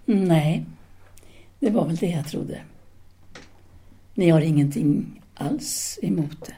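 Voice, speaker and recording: An actress playing a self-possessed intellectual woman in an audio drama, formal and measured yet intimate and seductive. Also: low-pitched, warm tone. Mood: seductive, probing. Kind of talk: audio drama letter monologue and dialogue.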